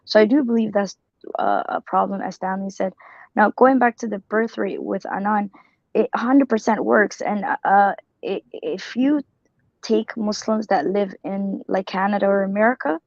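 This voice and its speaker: A woman's voice: mid-range voice, dry recording, dull audio. Earnest rambling woman on a call. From Somalia. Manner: rambling, self-correcting, earnest. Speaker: caller. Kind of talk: casual group discussion.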